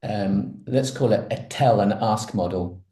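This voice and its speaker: A man's voice: on the low side, a little slow, mellow. A man talking casually on a podcast, explaining ideas in a loose, conversational way. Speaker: podcast participant from a betting tech company. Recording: roomy, echoing sound.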